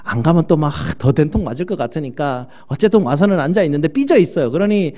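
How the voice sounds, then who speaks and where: A male pastor preaching a sermon in a church, animated, swinging from loud outbursts to low asides. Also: fast.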